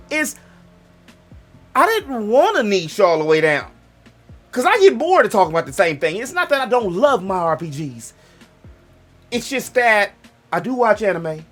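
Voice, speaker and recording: A man's voice: high-pitched, a bit bright. A young man with a Black American accent hosting a gaming channel, talking in a loose, joking, digressive way that keeps interrupting itself. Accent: African American English. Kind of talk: rambling casual monologue.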